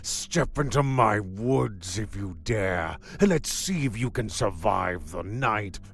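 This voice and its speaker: A man playing a bloodthirsty swamp werewolf wrestler, gravelly and raspy, delivering a menacing, taunting challenge promo. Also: fairly low pitch, animated, takes it slowly, a bit bright, full character voice.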